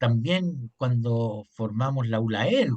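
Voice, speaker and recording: A man's somewhat breathy, medium-pitched voice at a very slow pace. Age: 70s. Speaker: retired ergonomics professional, society founder. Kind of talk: interview.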